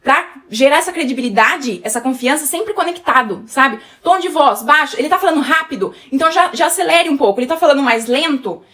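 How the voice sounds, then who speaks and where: Brazilian woman teaching sales to her viewers, high voice, keeps saying tá and gente. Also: lively intonation, brisk, hardly any pauses, fairly bright tone. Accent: Brazilian Portuguese. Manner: chatty, many fillers, addresses viewers as gente. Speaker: sales trainer. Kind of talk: casual teaching talk.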